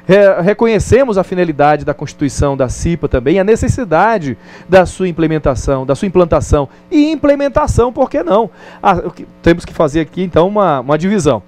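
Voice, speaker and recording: A man's voice: high-pitched, big pitch swings, a little fast, hardly any pauses, darkish tone, soft background music. A man with a Brazilian Portuguese accent teaching a recorded distance-learning lesson in a conversational way, often checking in with the viewer.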